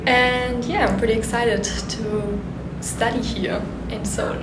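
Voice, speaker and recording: A woman's voice: on the high side, fairly even intonation, slow pace, roomy sound, heavy background noise. A woman in her twenties from Austria, an exchange student answering interview questions casually and with many hesitations. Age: 20s. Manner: hesitant, many ums and likes.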